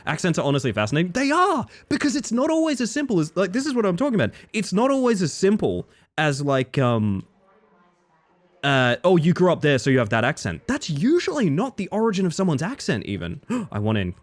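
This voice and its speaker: A man's voice: high-pitched, sing-song, a little fast. A man with an Australian accent, chatting casually with his live-stream audience while gaming, reading chat aloud and swearing now and then.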